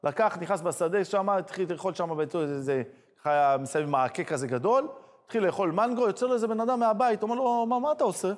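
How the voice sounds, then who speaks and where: A man, a rabbi, giving a sermon full of rhetorical questions and lively storytelling. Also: high-pitched, in a large hall.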